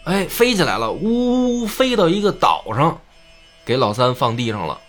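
A man telling a folk tale casually, full of jokes and asides. His voice sits mid-range but swings lively through its pitch. Faint music plays underneath. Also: normal speed. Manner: chatty, joking, with asides. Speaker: storyteller. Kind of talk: casual comic storytelling.

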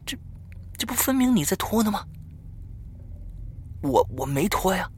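A man's voice: medium pitch, a little fast, a bit bright, a little hiss or hum, close to an everyday voice. A man doing a jumpy, curious young boy. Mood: suspicious. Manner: startled, questioning.

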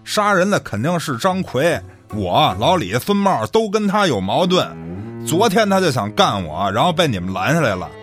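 An actor playing a brash, foul-mouthed, shady restaurant boss in a radio drama, scornful and streetwise. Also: male voice, a little high, very animated, moderate pace, a bit bright, soft background music. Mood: defensive, dismissive.

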